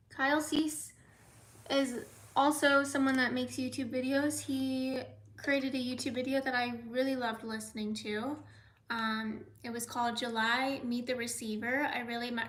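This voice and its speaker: A young American woman hosting a casual livestream, reading viewer comments aloud and often slipping into soft whispers. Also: high voice. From United States. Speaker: livestream host.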